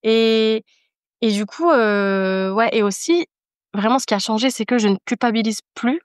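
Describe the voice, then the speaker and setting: Woman podcast guest, kinda high voice, earnest n emphatic, repeats herself, really dry close sound. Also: normal speed, smooth, no echo. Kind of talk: personal testimony in casual conversation.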